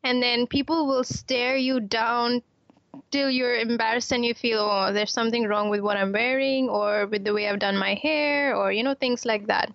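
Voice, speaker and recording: A woman's voice: fairly high pitch, steady tone, moderate pace, fairly bright tone, no room sound, dull audio. A woman from Kuwait, an author and doctor, answering interview questions in a chatty way, with fillers and repeated words.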